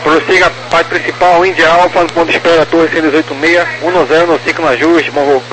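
Air traffic controller, man, procedural police-radio delivery, slightly high pitch, faintly noisy transmission. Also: steady tone, fast talker, fairly bright tone. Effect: two-way radio.

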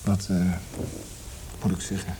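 A low, sombre, hesitant poet. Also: male voice, monotone, dark tone, slight background noise, poor audio. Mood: sombre, brooding. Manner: hesitant, subdued, brooding, with pauses. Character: sombre, evasive male Viennese poet visiting his dying friend. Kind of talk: radio play acting.

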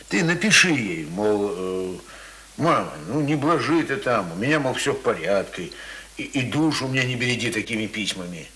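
An actor in a radio drama playing a folksy, gruffly kind village uncle, colloquial and protective, on a hissy old recording. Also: male voice, mid-range voice, bright, forceful tone, full character voice. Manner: folksy, colloquial, halting muttering and exhorting.

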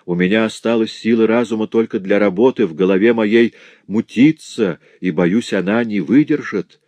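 A man's voice: fairly low pitch, moderate pace, darkish tone, dry recording, voice pushed up, natural voice. A man reading a novel aloud, voicing a poor, overworked jeweler in a despairing, pleading tone.

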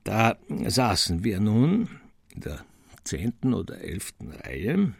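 A man reading scripted first-person literary narration for a radio play, with measured, deliberate phrasing and emphatic stresses. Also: fairly low pitch, huge pitch swings, vocal fry, breathy edge, dry recording, studio quality.

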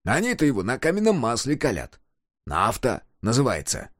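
A man's voice: medium pitch, wildly swooping pitch, moderate pace, no room sound, clean studio sound. A man voicing a sly, grinning working man who jokes and explains things in a knowing, teasing way, in an audiobook. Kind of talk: audiobook character voice.

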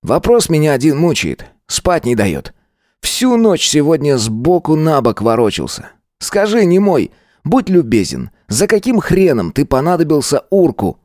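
A man's voice: on the high side, big pitch swings, measured pace, a little mellow, no room sound, clean studio sound, pitched above the performer's own voice. A man voicing a brash, mocking teenage schoolboy who taunts and swaggers.

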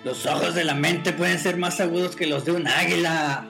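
A man's voice: on the high side, steady tone, normal speed, creaky, over music. A man playing a coarse, mocking street rogue in an amateur radio drama, talking back with rude scorn. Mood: sententious.

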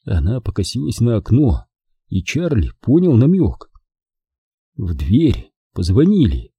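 Husky male audiobook narrator, dark tone, dry close sound. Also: mid-range voice, wildly swooping pitch, unhurried, no echo, highs cut off. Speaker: audiobook reader. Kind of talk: scripted narration.

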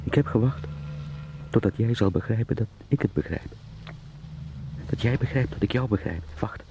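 A man's voice: lowish voice, normal speed, gravelly, background noise. An actor playing an anguished, pleading young salesman turned beetle in a radio drama, brooding and emotional. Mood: tender longing.

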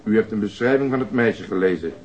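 An actor playing a stern, insistent police interrogator in a radio crime drama, firing clipped, formal questions. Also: male voice, lowish voice, expressive, fast, a little mellow, lightly acted. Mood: pressing. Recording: dull lo-fi radio drama recording.

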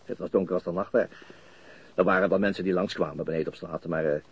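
A man's voice: deep voice, fairly even intonation, fast talker, husky, no room sound. An actor playing a dogged, methodical middle-aged police chief inspector in a Dutch radio play, hesitating as he thinks aloud. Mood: absorbed, explaining. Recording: muffled, dull radio drama recording.

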